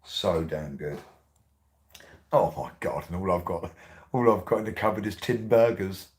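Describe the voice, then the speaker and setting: A man, hosting his radio show in a rambling, excitable way, laughing often. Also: low voice, moderate pace. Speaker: radio host. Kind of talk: casual monologue.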